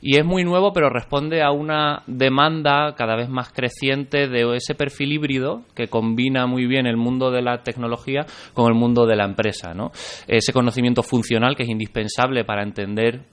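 A man's voice: medium pitch, steady tone, moderate pace, clear, resonant tone. A young man from Extremadura in Spain, speaking as an interview guest in a thoughtful manner with frequent small restarts. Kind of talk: interview conversation.

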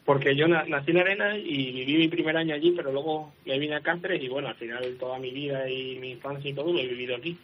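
Young male guest, calm and measured, dull lo-fi sound. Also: a little high. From Spain. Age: young adult. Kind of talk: radio interview answers.

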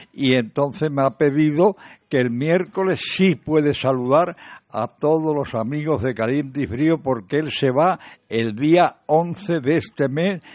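A man with an accent from Spain hosting live radio chat, halting and insistent, often repeating himself. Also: mid-range voice, no room sound. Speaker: radio show host.

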